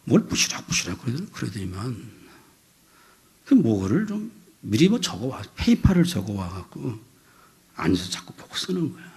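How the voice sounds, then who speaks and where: A man in his fifties, a pastor preaching a sermon, telling a story with voiced quotes and building to loud, emphatic peaks. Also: fairly low pitch, creaky, husky. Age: 50s. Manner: storytelling with animated voiced quotes, rising to shouts.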